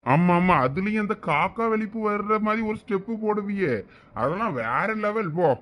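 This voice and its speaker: Brief: performer doing a playful young village man, Thoothukudi Tamil accent, mid-pitched, friendly teasing. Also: expressive, moderate pace, a bit bright, natural voice.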